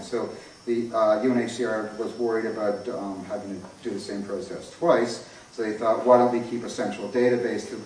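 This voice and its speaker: A man's voice: medium pitch, a little mellow. North American man lecturing in an echoey room. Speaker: academic conference speaker. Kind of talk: informal academic lecture. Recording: echoey room, distant mic, faint noise.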